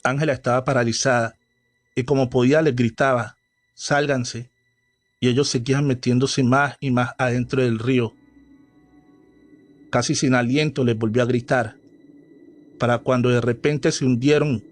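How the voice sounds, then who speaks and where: A man's voice: mid-range voice, fairly even intonation, normal speed, pauses often, no echo, soft background music. Man narrating a horror story. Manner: dramatic storytelling. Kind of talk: scripted narration.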